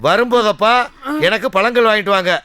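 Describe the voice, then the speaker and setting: A man's voice: high-pitched, fairly quick, a crowd in the background, natural voice. An actor playing a blustering middle-aged village man who scolds others with repeated, barking questions in a comedy film scene. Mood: puzzled. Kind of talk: Tamil film comedy acting. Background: film score.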